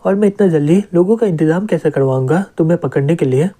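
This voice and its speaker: A man voicing a calm young male city lord in a plainly read comic recap. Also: fairly high pitch, fast talker, close to an everyday voice.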